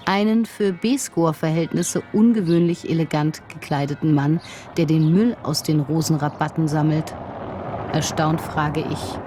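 A woman narrating a personal documentary in a calm, measured, reflective first-person voice. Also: low voice, over music. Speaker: journalist and narrator.

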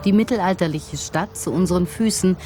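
A woman narrating a personal documentary in a calm, measured, reflective first-person voice. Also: fairly low pitch, a little hiss or hum. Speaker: journalist and narrator.

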